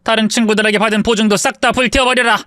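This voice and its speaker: A man's voice: high voice, steady tone, racing, pushed and bright, dry recording, studio quality. A man voicing a stern, commanding older mother who is a shaman, speaking in a scolding, authoritative way.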